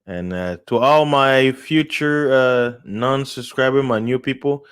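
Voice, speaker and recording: A man hosting his own live show, rambling in casual talk, laughing often and jumping up loud and high when excited. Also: a little slow, clean tone. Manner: rambling, laughs often, many fillers and restarts. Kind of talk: casual live-stream rant.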